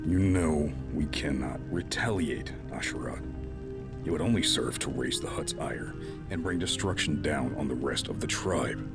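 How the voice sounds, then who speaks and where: An actor playing a stern, peace-keeping tribal father in a space audio drama, with a gravelly voice. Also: extremely low pitch, expressive, moderate pace, exaggerated voice. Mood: grave warning. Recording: loud music under the voice. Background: loud dramatic music.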